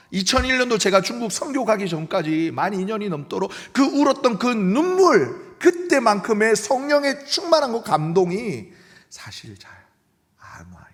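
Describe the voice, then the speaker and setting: Middle-aged male pastor with a Gyeongsang accent, lively preaching that swings up high and falls to hushes, echoey church. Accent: Gyeongsang Korean. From Gyeongsang region of Korea. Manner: animated, acts out quoted voices, drops to near-whispers. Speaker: senior pastor. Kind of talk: sermon.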